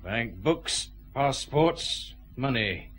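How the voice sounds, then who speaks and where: A commanding Scottish chief inspector in a radio drama, with a bright, forceful tone. His clipped orders rise and fall with lively pitch. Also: drawn-out words, full character voice. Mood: stern. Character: male Glasgow detective chief inspector, commanding.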